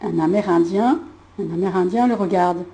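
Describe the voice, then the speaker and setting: A woman playing a male actor at a sound test, reading his film lines in a slow, flat monotone. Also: lowish voice, voice pushed down, lightly acted.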